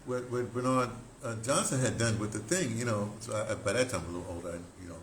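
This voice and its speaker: An older American man telling stories casually as a talk host, in an excitable, rambling way with broken, repeated phrases. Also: on the low side, fast. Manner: excitable, animated storyteller with broken, repetitive phrasing. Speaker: radio drama producer and talk host. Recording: roomy echo, clear background noise.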